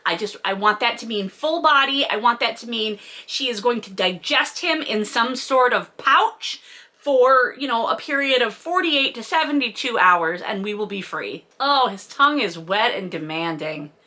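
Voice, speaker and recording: A woman's voice: a little high, lively intonation, normal speed, sharp tone. A woman hosting a comedic read-along, mocking a book with sarcastic, exaggerated emphasis and plenty of swearing. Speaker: host reading a book aloud and mocking it.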